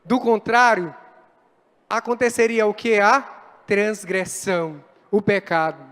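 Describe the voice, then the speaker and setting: A male pastor preaching a lively sermon, acting out quoted dialogue as he speaks. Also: high voice, takes it slowly. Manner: animated, acts out quoted dialogue. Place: church hall. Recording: long church reverb.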